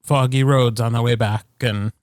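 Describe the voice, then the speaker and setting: A man's voice: medium pitch, fairly even intonation, moderate pace, a little mellow, no room sound, clean studio sound. A man from Wisconsin with an American accent, co-hosting a podcast and telling personal stories informally with wry understatement. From Wisconsin, United States. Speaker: podcast co-host. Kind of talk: casual chat, personal storytelling.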